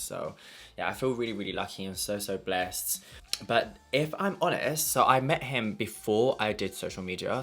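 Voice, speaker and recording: Young guy gossiping while he eats, bright lowish voice, says like a lot. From London. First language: Portuguese. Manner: chatty, gossipy, lots of "like". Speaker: makeup artist vlogger. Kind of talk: casual mukbang chat.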